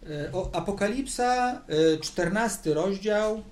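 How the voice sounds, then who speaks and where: Animated man teaching scripture. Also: high voice, slow. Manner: questioning, conversational, repeats words while thinking. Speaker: Bible study leader. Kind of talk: lively Bible teaching to a group.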